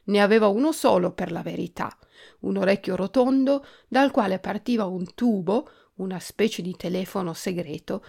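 A woman reading a children's storybook aloud with an expressive, animated delivery. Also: medium pitch, vocal fry. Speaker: podcast host reading aloud.

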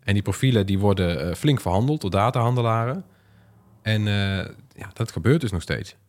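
Low-pitched man, podcast host. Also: lively intonation, brisk, darkish tone. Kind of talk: casual tech podcast chat.

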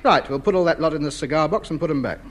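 A man's voice: fairly high pitch, expressive, very fast, lightly acted. An actor in a 1950s radio comedy playing a fussy, pompous man who hoards junk. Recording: old radio recording, noisy.

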